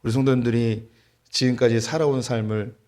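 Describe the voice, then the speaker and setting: Speaking at a steady, slightly quick pace and medium pitch, a middle-aged man delivers a sermon as pastor in a church sanctuary. A lightly humorous, warmly plainspoken family anecdote comes first, leading into the gospel message.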